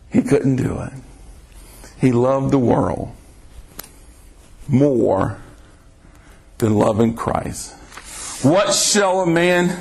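On a podcast, a man with a creaky, slightly mellow voice preaches a sermon, reading scripture aloud and pressing listeners with rhetorical questions. His delivery is slow and emphatic, with sudden swings in pitch.

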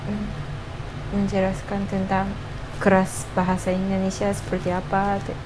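A young Japanese woman chatting casually as a foreigner speaking halting Indonesian with a Japanese accent and interjections from her native language. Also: mid-range voice, monotone. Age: young adult. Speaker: co-host of couple's vlog. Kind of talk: casual chat. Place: small home kitchen, indoors. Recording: noticeable background noise, home kitchen.

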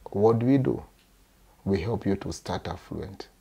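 A middle-aged man from Kenya, a speech therapist, explaining treatment in an earnest, halting way in a small office, recorded by a camera across the desk. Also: deep voice, animated, gravelly, dark tone, slightly rough. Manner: earnest, repeats yes often, halting phrasing. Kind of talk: explaining in an interview.

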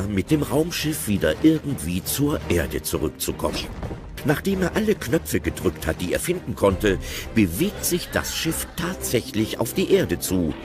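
Tiefe, lebhafte Erzählerstimme eines Mannes. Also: male voice, fairly low pitch. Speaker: narrator. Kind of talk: scripted audio drama narration.

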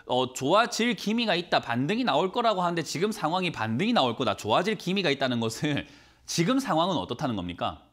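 A man in his thirties with a cold, a stock market mentor on a studio call-in show, talking quickly and asking many rhetorical questions. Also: a little high, a bit bright. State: has a cold. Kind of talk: financial advice call-in show.

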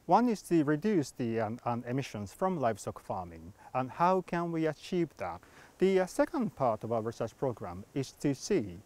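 A man's voice: medium pitch, darkish tone. A man, a research scientist, explaining his work outdoors in a field in a hesitant way with many fillers. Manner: hesitant, many fillers, non-native phrasing. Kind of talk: on-camera interview. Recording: faint music underneath.

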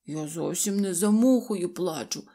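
A woman voicing a grumpy little boy quietly recalling a song from home. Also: on the low side, expressive, measured pace. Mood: wistful.

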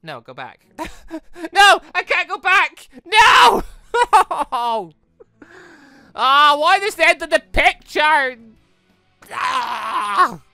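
A woman's voice: high voice, drawn-out words, creaky, dry recording, studio quality, faint music behind. A young woman streaming a visual novel, reading the lines aloud and chatting about the story. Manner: chatty, animated, reads character lines in her own voice. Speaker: let's play streamer.

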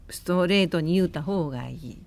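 A woman's voice: fairly low pitch, brisk, gravelly, darkish tone. A woman with a Kansai accent co-hosting a radio talk show, reading listener letters and chatting.

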